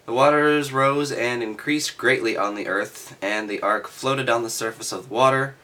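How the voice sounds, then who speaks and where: A man reading aloud and adding halting, offhand, skeptical commentary with sardonic asides. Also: mid-range voice, sharp tone. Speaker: reader and commentator.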